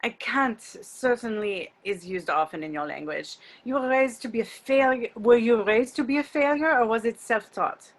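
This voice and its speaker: A woman's voice: fairly high pitch, moderate pace, hardly any pauses. A woman playing a frank, encouraging young French exchange student in an amateur script read over a video call. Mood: frank, prodding.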